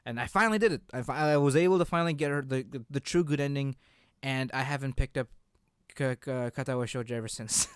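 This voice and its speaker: Man, podcast host, clean smooth voice, dry close sound, halting casual talk, restarts phrases. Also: medium pitch, no echo. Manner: halting, repeats and rephrases himself. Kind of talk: casual chat about visual novel games.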